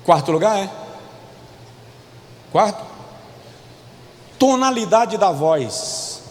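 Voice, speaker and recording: A Brazilian man preaching as pastor, emphatic, swinging between soft asides and shouted points. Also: high voice, animated, extremely slow, in a large hall. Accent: Brazilian Portuguese. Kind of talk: sermon.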